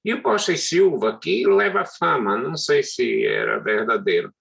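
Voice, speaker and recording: A middle-aged man lecturing as a law professor, hesitant and full of drawn-out fillers. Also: mid-range voice, animated, gravelly, fairly bright tone, breathy edge. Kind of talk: university lecture.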